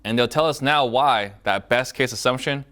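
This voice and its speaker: A man leading a recorded sales training course, explaining briskly and acting out sample phone dialogues. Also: mid-range voice, sharp tone, clear, resonant tone.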